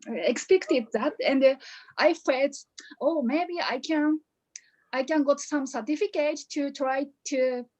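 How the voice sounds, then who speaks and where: A woman's voice: high-pitched, darkish tone, lo-fi sound. A woman from Japan with a Japanese accent, giving a hesitant graduation speech with many restarts over a video call. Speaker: coaching graduate.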